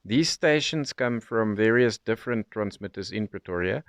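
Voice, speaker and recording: Low, smooth South African man reviewing. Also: lively intonation, normal speed, no room sound, studio quality. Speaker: radio reviewer. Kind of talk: unscripted product review demonstration.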